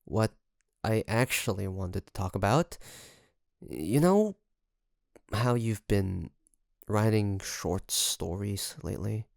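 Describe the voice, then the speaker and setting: A man playing a secretly obsessive best friend in an intimate audio roleplay, coaxing and hesitant, with sighs and pauses. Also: lowish voice, lively intonation, creaky, no room sound, clean studio sound, exaggerated voice. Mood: casual, coaxing.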